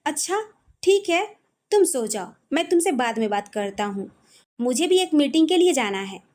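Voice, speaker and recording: A lovestruck young husband in a storybook, teasing and coaxing his reluctant wife, voiced by a woman narrator. The delivery stays high and animated. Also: normal speed. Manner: coaxing, playful.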